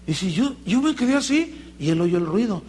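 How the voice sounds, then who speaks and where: A pastor preaching a sermon, telling anecdotes in a lively way and imitating the people in his stories. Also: high-pitched, moderate pace, slight background noise. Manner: animated storytelling, mimics voices in quotes.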